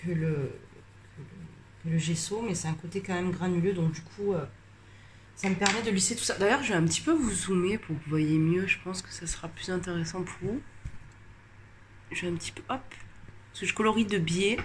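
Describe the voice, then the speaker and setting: A tired, slightly congested woman chatting casually while coloring, rambling with many hesitations and pauses. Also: fairly low pitch, a little hiss or hum. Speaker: coloring vlogger.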